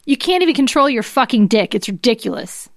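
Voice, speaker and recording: A woman's voice: on the high side, sing-song, brisk, dry recording, clean studio sound. A woman acting out an angry, scornful wife in a dramatic reading of furious, insulting text messages, with emphatic delivery.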